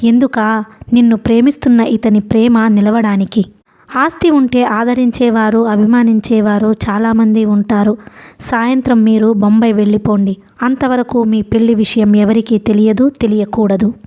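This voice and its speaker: A woman's voice: on the high side, steady tone, normal speed, warm tone, natural voice. A woman reading the part of a stern, proud wealthy father who speaks harshly and commandingly, in an audiobook.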